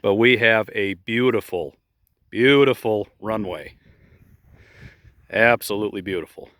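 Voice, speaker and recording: Phone in hand as he walks, the same kind of speaker, a model airplane club member, chats his way through a tour of a grassy field outdoors, rambling and full of fillers. His voice sits on the low side, unhurried and fairly bright. The sound is clean, like a studio, with no room sound.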